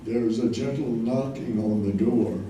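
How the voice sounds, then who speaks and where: A man's voice: mid-range voice, unhurried, warm tone, close to an everyday voice. A man narrating the action in a staged play reading. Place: live staged reading in echoey room. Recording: very echoey room, distant, faint noise.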